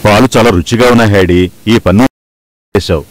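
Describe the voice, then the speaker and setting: A man's voice: fairly low pitch, a little fast, dry recording, close to an everyday voice, low-quality recording. A man voicing a kindly but firm old grandfather in a dubbed cartoon, persuasive and reasoning.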